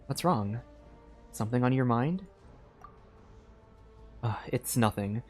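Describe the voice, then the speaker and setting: Earnest fantasy game fighter, acted by a male streamer, mid-pitched, scripted delivery, music underneath. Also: expressive, slow pace, darkish tone. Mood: earnest, concerned. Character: earnest game characters discussing battle preparations. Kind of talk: cold-read game dialogue.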